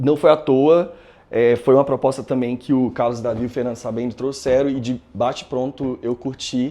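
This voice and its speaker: A man speaks at a medium pitch and a moderate pace. His tone is dark and mellow, and his intonation fairly even. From Goiás, Brazil. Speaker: homeowner, advertising professional. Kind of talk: casual chat. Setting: at home, house tour.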